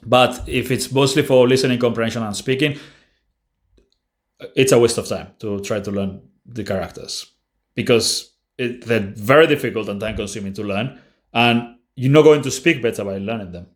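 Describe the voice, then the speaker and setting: A man's voice: medium pitch, moderate pace. Blunt, offhand man answering questions. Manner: blunt, offhand, many restarts and fillers. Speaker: language-learning channel host. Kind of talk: casual Q&A answering viewer questions.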